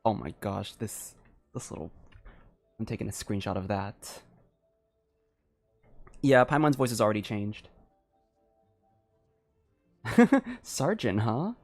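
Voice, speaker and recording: Guy streaming a game, rambly chill chat, close dry mic, soft music in back. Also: on the low side, sing-song, no echo. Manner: halting, rambling. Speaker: game livestreamer. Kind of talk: casual livestream chat.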